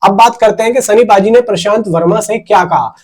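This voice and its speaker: A man's voice: high-pitched, a little fast, darkish tone. A man giving casual, unscripted film-news commentary to viewers, conversational and emphatic, often repeating and rephrasing his points.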